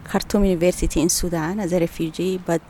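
A woman's voice: on the low side, fairly even intonation, fast, warm tone, a little hiss or hum. A woman of around sixty, speaking as an interview guest and telling her story in an earnest, thoughtful way. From Eritrea. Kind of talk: casual interview.

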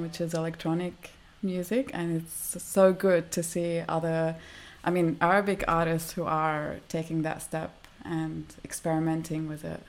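A woman from Lebanon hosting a radio interview, asking her guest questions in a friendly, encouraging way. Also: deep voice. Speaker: radio show host.

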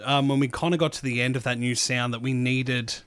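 A man being interviewed about his music, telling the story in a relaxed, chatty way. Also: medium pitch, a little fast, clear, resonant tone. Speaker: musician guest. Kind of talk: casual interview chat.

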